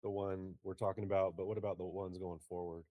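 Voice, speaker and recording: Low-voiced man running a meeting. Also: level tone, fast talker, dark tone. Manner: short questions and brief acknowledgements. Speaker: meeting lead. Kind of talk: work meeting on a video call. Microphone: video call.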